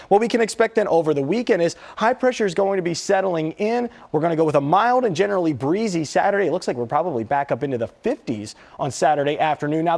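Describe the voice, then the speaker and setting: A man's voice: sits high, darkish tone. An American man presenting a live weather forecast as a TV meteorologist, talking in a conversational, explanatory way.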